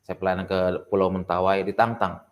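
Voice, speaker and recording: Man, middle-aged, low voice, animated testimony, swings to loud prayer. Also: a little fast, highs cut off. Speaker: evangelist guest. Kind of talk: testimony interview.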